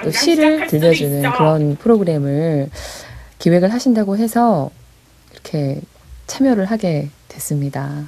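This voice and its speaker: Soft-spoken woman radio host, mellow voice. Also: sits low, big pitch swings, normal speed. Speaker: radio host reading fairy tales for adults. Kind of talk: interview answers.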